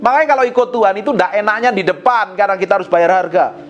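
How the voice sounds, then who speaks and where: A pastor, preaching a sermon in a joking, colloquial, animated way. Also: male voice, high voice, very fast, highs cut off, soft background music.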